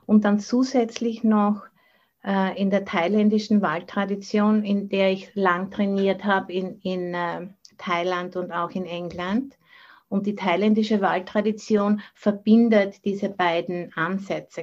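The audio is dull and band-limited, like a video call. A woman with an Austrian German accent speaks at a medium pitch, teaching in an informal dharma talk. She slips English words in among the German. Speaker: Buddhist nun and meditation teacher. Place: online video call from the monastery.

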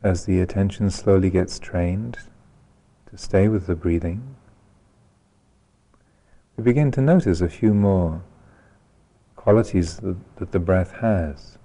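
Male meditation teacher, very low voice, soft mellow tone, calm and unhurried, long pauses. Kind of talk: guided meditation instruction.

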